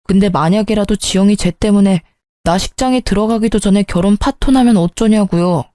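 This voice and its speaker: Woman voicing a young adult son, earnest, irritable, clipped, pleading, mellow tone, dry sound. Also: mid-range voice, brisk, no echo, natural voice. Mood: irritated.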